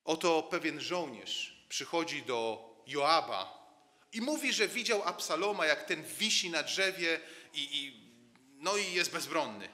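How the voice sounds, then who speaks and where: A man's voice: a little high, animated, a little slow, bright, forceful tone, in a large hall. A man preaching a sermon in a church, telling the story dramatically, dropping to a near-murmur and rising again, often repeating words as he builds a point.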